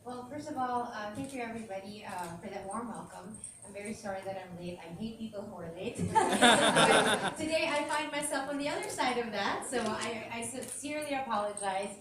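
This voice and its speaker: A woman gives a frank, chatty speech at a press conference. Her voice rings through a large, reverberant hall. It sounds distant from the mic, with clear ambient noise underneath. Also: on the high side, moderate pace, hardly any pauses. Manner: candid, conversational, laughs easily. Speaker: radio host, brand ambassador.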